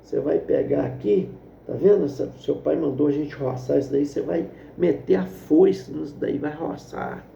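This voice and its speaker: Brief: man playing a cruel foreman, mocking and gloating, gravelly tone, dull lo-fi sound. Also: on the high side, moderate pace, warm tone, slight background noise. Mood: taunting. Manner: jeering, taunting. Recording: echoey dull lo-fi room.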